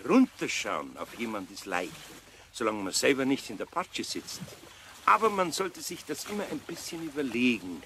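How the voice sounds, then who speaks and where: Creaky, lively older Bavarian craftsman. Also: medium pitch, moderate pace, slight background noise. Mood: teasing, admonishing. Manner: homely, admonishing. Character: good-natured, sly older master craftsman. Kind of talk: children's radio play acting.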